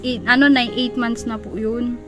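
A 19-year-old woman answering interview questions politely, halting and searching for words. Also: fairly high pitch, steady tone, music in the background. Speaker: interviewee, working daughter.

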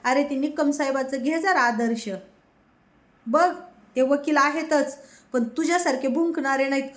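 A woman's voice: high-pitched, a little slow. A woman delivering a heated, mocking political rant, scolding her target. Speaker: political commentator.

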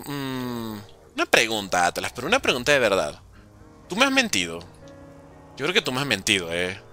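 Young male streamer, bright lively voice fairly high, jokey chat-reading commentary, faint game music behind. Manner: joking, reads chat questions aloud and answers playfully. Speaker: gaming streamer.

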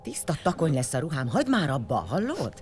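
An actress playing a middle-aged, foul-mouthed tribal warrior leader in an audio drama, blunt, scornful and commanding. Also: female voice, low-pitched, wildly swooping pitch, a little mellow, faint music behind. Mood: grudgingly kind.

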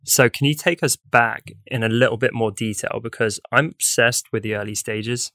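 A man's voice: mid-range voice, steady tone, normal speed, sharp tone, no room sound, clean studio sound. A young man hosting a podcast, asking informal, enthusiastic questions into a desk mic in an office room. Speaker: podcast host. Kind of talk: interviewing. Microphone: desk studio mic.

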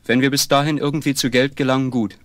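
An actor playing an earnest young son who talks in an insistent, devoted way in a radio play. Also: male voice, medium pitch, steady tone, fast talker, a bit bright, no echo, natural voice.

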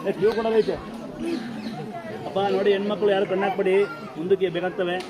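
Man, Kannada accent, temple priest, brisk rapid speech, raised pitch, loud crowd behind. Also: steady tone, dull audio. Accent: Kannada, Karnataka. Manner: fast, forceful, instructing devotees. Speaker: temple priest addressing devotees. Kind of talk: loud public address to devotees.

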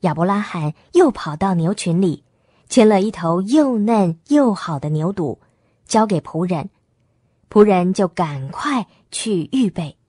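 Woman calmly narrating scripture. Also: medium pitch, measured pace, slightly rough, no echo, clean studio sound. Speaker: scripture reader.

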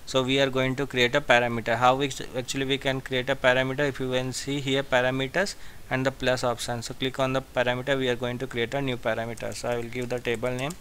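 A man giving a step-by-step software tutorial as an instructor, repeating his phrases as he goes. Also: medium pitch, flat delivery, fast talker, a little hiss or hum. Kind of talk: screen-share software tutorial.

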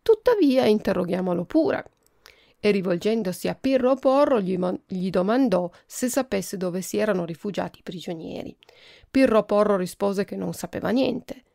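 Female podcast reader, children's story, slight fry, dry close recording. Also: mid-range voice, moderate pace, no echo. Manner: lively, expressive storytelling. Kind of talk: reading a children's book aloud.

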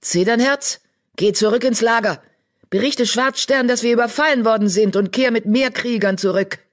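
A narrator voicing Rostfell, a grumpy female warrior cat in an audiobook, sharp and bossy. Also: medium pitch, moderate pace, voice pushed up, natural voice. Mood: hostile.

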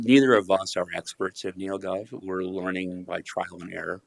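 Brief: middle-aged man, very deep flat gravelly voice, formal podium presenter to a county board. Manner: measured, polite, uses fillers. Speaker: county HR director presenting budget. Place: county commission meeting room. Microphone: podium mic.

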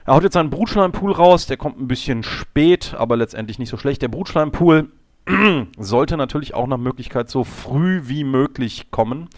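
A man with a slight cold and a slightly hoarse voice, explaining a game replay calmly, often pausing on fillers and correcting himself. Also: medium pitch, no room sound. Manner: calm, explanatory, with frequent fillers and self-corrections. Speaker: game coach. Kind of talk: instructional commentary over a game replay.

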